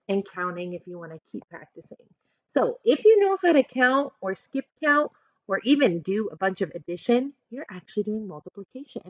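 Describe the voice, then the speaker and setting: A woman with a fairly high, very lively voice reads aloud like a primary teacher, expressive and full of questions for her young listeners. The recording is dry and slightly dull. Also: dry recording. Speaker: teacher reading a picture book aloud. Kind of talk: animated children's read-aloud with teaching asides.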